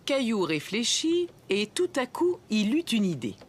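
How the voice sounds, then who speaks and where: A woman's voice: fairly high pitch, very animated, unhurried, husky. A woman narrating a scripted children's story as a storyteller.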